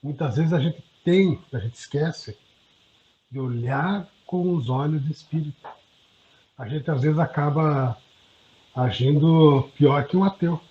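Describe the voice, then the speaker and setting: A man's voice: on the high side, takes it slowly, warm tone. Earnest man on dull lo-fi audio. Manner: earnest, self-deprecating. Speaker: study group participant. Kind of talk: personal reflection in group discussion.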